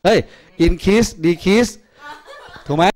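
A Thai math tutor gives a classroom lecture in a rapid-fire voice that sits high. He teases his students with crude jokes as he teaches.

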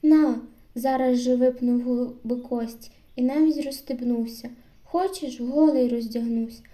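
A woman voicing a sullen, defiant peasant boy who is an outcast, throwing out sharp outbursts and grunts. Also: on the high side, fairly even intonation, a little slow, close to an everyday voice.

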